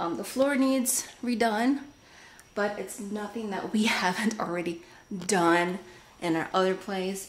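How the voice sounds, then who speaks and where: A woman at a fairly slow pace, ordinary pitch variation, light background noise. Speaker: vlogger. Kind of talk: casual vlog chat. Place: empty room. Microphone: phone near.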